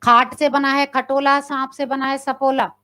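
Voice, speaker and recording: A woman teaches a live exam-prep class in a high voice. She reads each question and its options aloud, asks her viewers to answer, and confirms the right option. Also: level tone, normal speed, sharp tone. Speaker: Hindi teacher.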